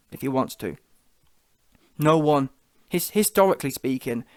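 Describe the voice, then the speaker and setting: A man with a London accent and a fairly high-pitched voice delivers an informal boxing reaction. He is opinionated and emphatic, using slang and hammering points through repetition. The sound is close and dry. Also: dry recording. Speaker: boxing commentator giving fight reaction.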